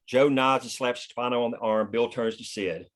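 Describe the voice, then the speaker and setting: A man's voice: mid-range voice, steady tone, normal speed. A man reading stage directions as the narrator of a screenplay, in scripted narration.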